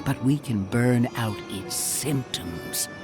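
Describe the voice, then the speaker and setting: A man playing a stern, righteous, zealous commander with a deliberate, declamatory manner in a fantasy game. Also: medium pitch, close to an everyday voice. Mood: zealous, hushed intensity. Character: stern, zealous male commander, crusading against corruption. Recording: game audio with music behind.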